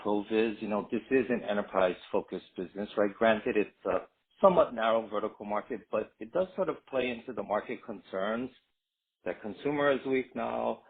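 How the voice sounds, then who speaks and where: A male analyst puts a formal question on a conference call. His voice is fairly low and rough-edged with huskiness, heard through a narrow phone line. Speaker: financial analyst, caller.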